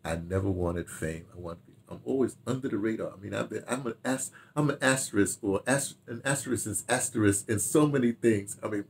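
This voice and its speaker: A man's voice: fairly low pitch, brisk, creaky, few pauses, a little hiss or hum. An older man reminiscing casually to camera, rambling and repeating phrases as he talks half to himself. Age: older, 60s or 70s. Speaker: radio drama director and producer reminiscing. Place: furnished room at home, indoors.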